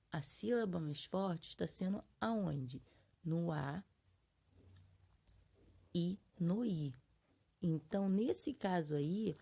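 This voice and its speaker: A Brazilian woman's voice, lowish with vocal fry, a dark tone and slight roughness, leads a grammar lesson in class. She's a Portuguese teacher with a Brazilian Portuguese accent who explains patiently and breaks example words into drawn-out syllables.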